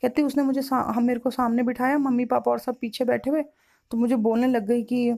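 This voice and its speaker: A woman with a fairly high, mellow voice retells a client's story as a spiritual counselor. She speaks in long runs of reported speech and comes back to the same phrases again and again with emotional weight. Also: little pitch movement, fairly quick, vocal fry.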